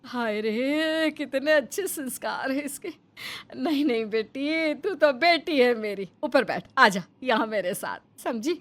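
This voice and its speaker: A woman's voice: high-pitched, expressive, unhurried, slight background noise. A woman voicing a fussy, doting middle-aged mother-in-law in a cartoon, theatrical in her scolding and fondness. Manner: scolding then affectionate, theatrical. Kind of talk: Hindi cartoon voice acting.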